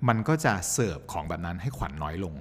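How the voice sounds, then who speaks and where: A lively man talks quickly in a casual podcast chat, his pitch swinging widely as he explains things at length. He sits a little low in tone and acts out exasperated quotes along the way. The voice carries a noticeable roomy reverb. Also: slightly rough. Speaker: podcast co-host.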